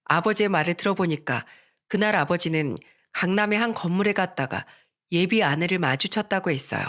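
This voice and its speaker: A man narrating a first-person story in a steady, plain reading manner. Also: high-pitched, fairly quick. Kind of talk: scripted narration of a reader's story.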